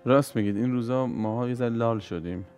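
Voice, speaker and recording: A man's voice: mid-range voice, over loud music. A man appearing as a guest on a television talk show, courteous and formal. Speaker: guest poetry researcher.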